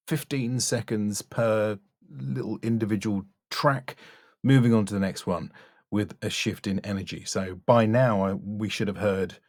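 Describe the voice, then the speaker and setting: A man's voice: medium pitch, darkish tone, dry recording, clean studio sound. A man giving a spoken critique as a voice-over coach, blunt but encouraging, with emphatic delivery. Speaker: voice-over demo coach and reviewer.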